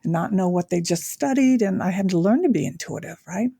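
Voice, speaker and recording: An older woman from Japan, a guest talking reflectively in a casual interview, pausing often with fillers. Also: fairly low pitch, lively intonation, vocal fry, mellow, slightly rough, no echo. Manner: reflective, with frequent pauses and fillers.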